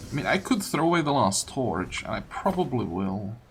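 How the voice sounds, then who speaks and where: A man giving casual let's-play commentary, thinking aloud as he deliberates over his choices. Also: medium pitch, sing-song, a little hiss or hum, poor audio. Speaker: gamer commentating his playthrough. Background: faint game music.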